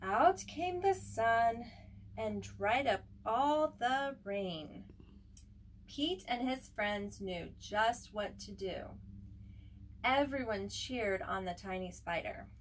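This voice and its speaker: Woman doing storytime for little kids, kinda high lively voice, bit of background noise. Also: slow pace. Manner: expressive, simple delivery for young children. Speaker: preschool teacher reading a picture book aloud. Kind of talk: children's storybook read-aloud. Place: at home. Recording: home recording with faint background noise.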